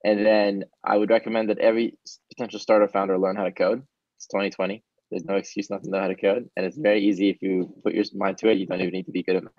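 A man's voice: fairly low pitch, flat delivery, fast talker, a little mellow, no echo, lo-fi sound. A man whose first language is Hebrew, a startup founder giving casual, earnest interview answers with frequent ums.

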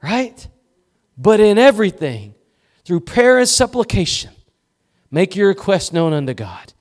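A man's voice: sits high, big pitch swings, measured pace. A male pastor preaching a sermon in a church, with emphatic repeated cadences and rhetorical questions.

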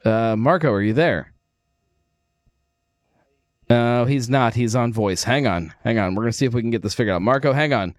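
A man's voice: medium pitch, moderate pace, long pauses, dry recording, studio quality. A man hosting a casual beer livestream, easygoing and rambling, with lots of fillers as he reads viewers' messages. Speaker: livestream host. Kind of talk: casual chat.

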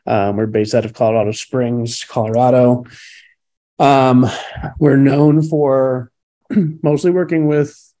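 A man's voice: mid-range voice, steady tone, slow pace, long pauses, mellow. A man born in Cuba, a dog trainer chatting as an interview guest, rambling through his story with frequent fillers and laughs. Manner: rambling, laughs between stories. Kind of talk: casual interview answers.

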